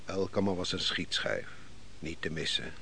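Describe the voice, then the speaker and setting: An actor playing a defeated army commander in a Dutch radio play, weary, bitter and brooding, speaking in a grave, declamatory way. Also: male voice, low voice, steady tone, measured pace, bright, forceful tone. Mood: grave, visionary. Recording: noisy old radio play recording.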